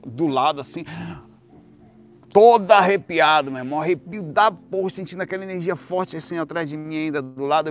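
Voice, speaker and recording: A man with a Brazilian Portuguese accent telling a long story in a casual, rambling monologue, swearing freely and swinging between hushed and loud. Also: on the high side.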